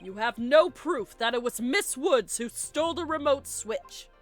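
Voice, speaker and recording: A woman with a high voice reads video game dialogue aloud for a playthrough. She takes her time, delivering lines slowly and theatrically with a playful streak. Faint game music runs behind her. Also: lively intonation. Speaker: let's player reading game dialogue aloud. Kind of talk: gaming playthrough with dramatic read-aloud of characters.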